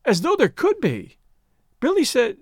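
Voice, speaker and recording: A man's voice: very high-pitched, huge pitch swings, dry recording, studio quality, voice pushed up, full character voice. A man voicing a naive, distressed young woman in a storybook reading, faint and small, with hesitant, pleading delivery. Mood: hesitant, puzzled. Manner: hesitant, quavering, halting. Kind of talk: dramatised audiobook story reading.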